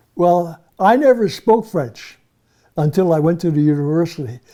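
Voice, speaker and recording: A man with a Montreal accent has a dark, mellow tone and a high pitch, speaking at a moderate pace with ordinary pitch variation. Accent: Canadian English (Montreal anglophone). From Montreal, Quebec (English-speaking, east end). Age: 90s. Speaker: retired pharmacist. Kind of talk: interview. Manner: halting, with hesitations.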